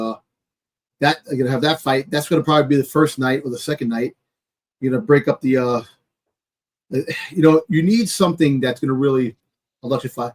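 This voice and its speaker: A man co-hosting a casual sports discussion, speaking haltingly as he gropes for words. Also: medium pitch. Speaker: wrestling podcast co-host.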